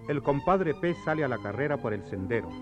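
A man's voice: mid-range voice, expressive, a little fast, music in the background. Male drama narrator, scripted, mid-range, on a slightly lo-fi recording. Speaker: narrator reading stage directions.

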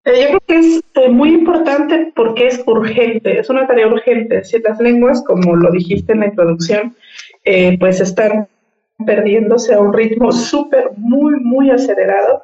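A woman, a linguist from Mexico, explaining things in a measured way as a radio guest on the phone. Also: on the high side, warm tone. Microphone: phone line. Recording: distant, roomy, muffled phone line.

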